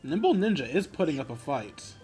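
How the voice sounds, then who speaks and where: A man's voice: a little high, sing-song, brisk, darkish tone, faint music behind, poor audio. Man giving wry casual gameplay commentary. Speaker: gamer commenting on his playthrough.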